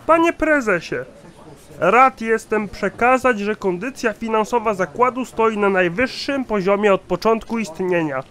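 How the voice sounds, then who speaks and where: A man's voice: sits high, animated, unhurried, a bit bright. A man voicing a shady, dim-witted chief accountant in a satirical cartoon, officious and formal. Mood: proud, officious.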